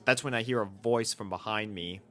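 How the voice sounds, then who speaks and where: A man's voice: lowish voice, fairly quick, sharp tone. A man reading a first-person fan fiction story as its narrator.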